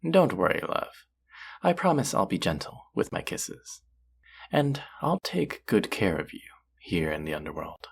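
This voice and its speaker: Husky, creaky, teasing demon dealer played by a woman. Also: a bass voice, sing-song, exaggerated voice. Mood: smug, flirty. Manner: slow, teasing, flirtatious, taunting. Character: teasing, possessive demon casino dealer of the underworld. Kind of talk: flirty roleplay audio drama, intimate one-on-one.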